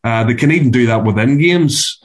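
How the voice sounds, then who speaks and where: A Northern Irish man with a mid-pitched voice talks as a sports journalist. His punditry is casual and halting, with words often repeated as he works out his point. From Antrim, Northern Ireland.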